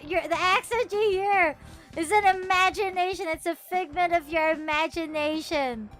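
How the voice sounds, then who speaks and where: A woman from the Philippines, chatting playfully on a stream, teasing herself and laughing often. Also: high-pitched. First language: Filipino. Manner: animated, playful and self-mocking, laughs often. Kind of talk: casual chat stream.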